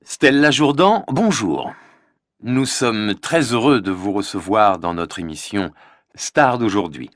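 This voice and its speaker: A man plays a cheerful radio show host for language learners. His voice is on the low side but swings lively in pitch, recorded dry and close to the mic. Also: takes it slowly, no room sound. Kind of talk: scripted slow-paced learner dialogue.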